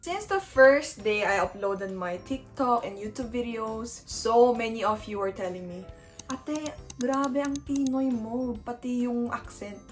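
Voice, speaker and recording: Young woman vlogger, filipino english accent, chatty, slips tagalog words in, soft music under. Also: on the high side, a little slow. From Korea. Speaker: content creator. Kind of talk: casual talk to camera.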